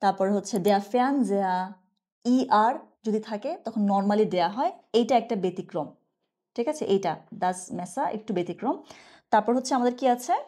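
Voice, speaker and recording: A woman giving a casual online German lesson. She chats freely, keeps asking "okay?", and says her example sentences slowly and carefully. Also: medium pitch, dark tone. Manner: chatty, asks "okay?" often, slow careful example sentences. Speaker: German teacher.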